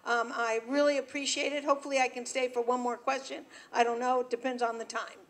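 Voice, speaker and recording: A woman who is a civil rights trial lawyer and mayoral candidate, making a brisk, earnest debate answer. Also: high voice, flat delivery.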